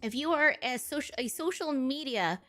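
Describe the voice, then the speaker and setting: A woman's voice: high-pitched, expressive, moderate pace, fairly bright tone, soft background music. A woman of Filipino heritage chatting casually on a live stream, blunt and profane with frequent laughter.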